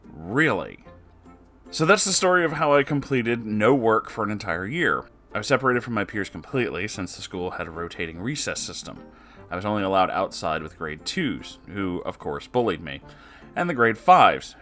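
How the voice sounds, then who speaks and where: Low-voiced man reading stories over music. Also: expressive, moderate pace, a bit bright. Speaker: online story reader. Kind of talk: animated reading aloud of personal stories, with asides.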